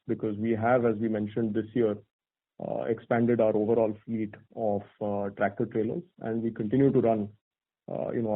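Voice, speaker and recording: A man speaking as a company executive, giving measured, articulate, corporate answers to analysts on an earnings call. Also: lowish voice. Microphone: phone conference call. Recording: narrow, tinny conference phone line.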